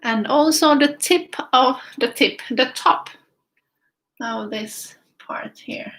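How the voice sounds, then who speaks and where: Slow, higher-voiced woman. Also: a bit bright. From Finland. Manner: unhurried, thinking aloud in short phrases while painting. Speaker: art teacher. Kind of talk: casual live painting tutorial with viewer chat.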